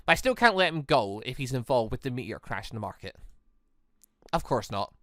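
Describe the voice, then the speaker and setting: A man's voice: medium pitch, very animated, fairly quick, a bit bright, dry recording, clean studio sound, pitched below the performer's own voice. A man voicing a stern adult woman, a formal and curt academy instructor in a visual novel. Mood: firm, irritated.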